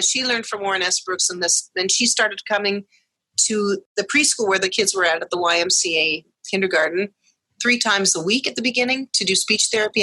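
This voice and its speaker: Woman guest, bright, forward voice, dry close recording, animated storyteller. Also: mid-range voice, slightly rough, no echo, poor audio. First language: English. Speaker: guest, mother of deaf twins. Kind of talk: podcast interview storytelling.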